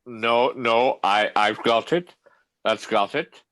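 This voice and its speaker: A man playing a pompous, easily wounded vampire ex-lover, formal and halting, in a comedy table read. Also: medium pitch, a bit bright. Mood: flustered.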